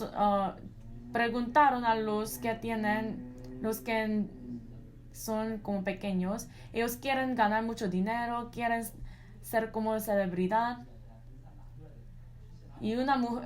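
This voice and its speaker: Woman, sermon interpreter; earnest, halting delivery, slightly high pitch. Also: a little hiss or hum. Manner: earnest, with frequent restarts and "¿no?" tags. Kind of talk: live Spanish interpretation of a sermon.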